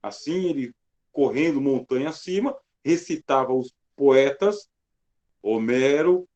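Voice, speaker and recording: A man's voice: medium pitch, animated, a little slow, a little mellow. A Brazilian man with a Brazilian Portuguese accent, giving an emphatic classroom lecture on reading scripture and asking and answering his own questions. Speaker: Bible teacher. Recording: slightly dull lo-fi sound.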